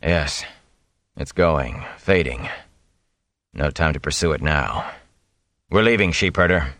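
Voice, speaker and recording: Warder: a man playing a gruff, impatient swordsman, deep and clipped, dry. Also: lively intonation, takes it slowly, a bit bright, no room sound, exaggerated voice. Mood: curt. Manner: curt, impatient. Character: stern, gruff adult male warrior.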